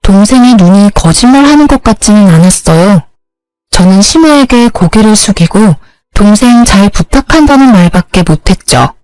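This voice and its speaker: Woman telling her story, even tone, dry sound, faint music. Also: mid-range voice, moderate pace, no echo. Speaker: narrator. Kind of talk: storytelling narration.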